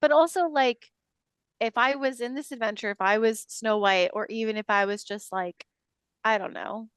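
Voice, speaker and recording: A woman's voice: medium pitch, a bit bright, clean tone, no echo. A woman co-hosting a podcast in casual chat, with a blunt, emphatic way of talking. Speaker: podcast co-host.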